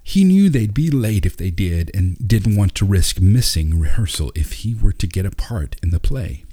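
A man with a husky voice narrating a scripted story as a storyteller. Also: low voice, big pitch swings, moderate pace, mellow.

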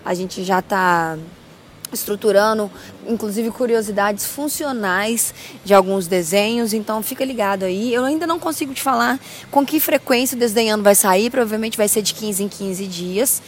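A Brazilian woman hosting a podcast in a casual, chatty way, with a grating, cracked voice and a loud, exuberant, slangy manner. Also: medium pitch, moderate pace, a little hiss or hum. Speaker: podcast host.

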